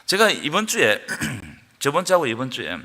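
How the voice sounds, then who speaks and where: Man, pastor's sermon, bright piercing tone, long church reverb. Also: medium pitch, wildly swooping pitch, normal speed. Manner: impassioned preaching, rising to loud outbursts, prompting the congregation. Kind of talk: sermon at Friday prayer meeting. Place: church sanctuary.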